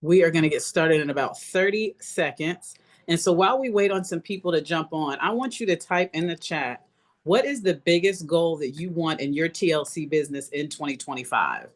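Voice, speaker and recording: A woman's voice: deep voice, normal speed. Emphatic woman coach hosting a live webinar. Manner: emphatic, repeats phrases for encouragement. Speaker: business coach hosting an online masterclass. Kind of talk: live motivational webinar talk.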